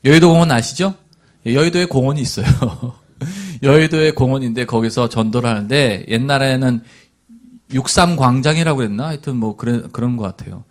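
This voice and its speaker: A man's voice: mid-range voice, fairly quick. A man preaching a sermon as a pastor, telling a story in a chatty way with asides and chuckles, and now and then rousing the congregation.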